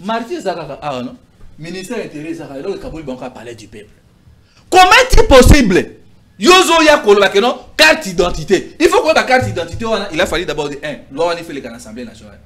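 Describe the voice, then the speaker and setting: A high-voiced man in his thirties makes his case in a studio debate, his pitch swinging widely as he gestures and stammers through restarts. He talks into a lapel mic. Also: sing-song, quick pace, a bit bright. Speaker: political commentator. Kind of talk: heated talk-show debate.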